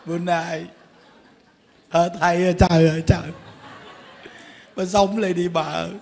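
A man's voice: high-pitched, little pitch movement, normal speed, creaky, a little mellow, voice pushed down. A man voicing a grieving old husband who begs his dead wife to live again. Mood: wailing. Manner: pleading, wailing.

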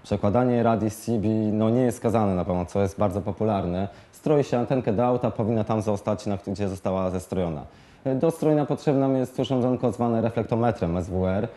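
A mellow, lowish male voice belongs to a shop expert in his 20s explaining a product off the cuff into a lapel mic. He pauses and hesitates frequently, filling gaps with fillers and repeating himself.

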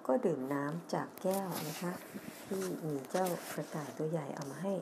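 A woman's voice: deep voice, noisy background. A middle-aged woman with a Thai accent teaching English on television. She reads a children's story line by line, spells out the words letter by letter, and explains them in Thai. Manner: reads English lines slowly and loudly, then explains quickly in Thai. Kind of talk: TV English lesson, reading a children's story aloud.

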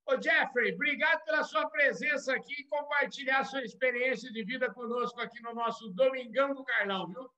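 An older male host greets his audience and guest with upbeat, emphatic energy. His voice sits very high and bright, carried over a dull, lo-fi video call line. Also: a little fast, hardly any pauses. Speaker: show host. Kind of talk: broadcast interview hosting.

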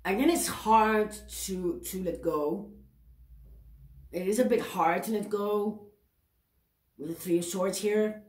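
A woman's voice: medium pitch, slow, long pauses, a little mellow, echoey room. A woman in her forties with a Greek accent, giving a tarot reading to camera in a chatty, self-correcting way and often checking in with the viewer. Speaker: tarot reader. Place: indoor room at a table.

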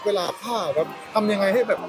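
A man's voice: sits high, quick pace, over music. A young man, an aspiring voice actor, politely and a little unsurely asking for advice.

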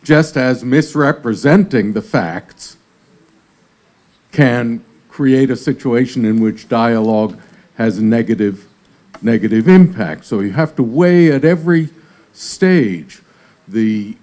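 A man answering as a panelist in a hall, measured and deliberate. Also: medium pitch, a little mellow. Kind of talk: panel discussion reply.

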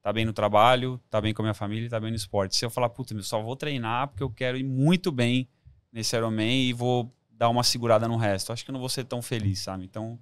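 A man's voice: mid-range voice, steady tone, fast, clean tone, no echo. A Brazilian man talking informally and enthusiastically as a podcast guest, with plenty of slang. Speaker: podcast guest, amateur triathlete. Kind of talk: casual podcast chat.

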